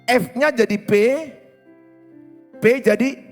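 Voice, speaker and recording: In a church hall in Indonesia, a middle-aged pastor with a Batak-inflected Indonesian accent preaches a sermon, asking the congregation questions and mimicking regional accents. His voice is extremely high and his pace slow, with soft music playing behind him.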